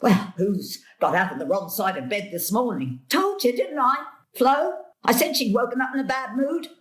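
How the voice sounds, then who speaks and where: A woman's voice: on the high side, lively intonation, moderate pace, natural voice. Actress as a cantankerous, querulous old grandmother. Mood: indignant, needling. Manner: querulous, blunt. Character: cantankerous, muddled old grandmother, indignant and meddling. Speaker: stage actor. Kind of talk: dramatic dialogue in a play.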